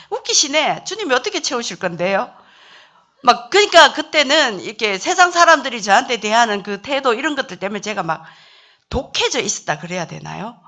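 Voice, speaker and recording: Lively, bright-voiced woman giving testimony. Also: fairly high pitch. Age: middle-aged. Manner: emotional storytelling, acting out her prayers aloud. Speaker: missionary wife giving testimony. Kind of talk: church testimony.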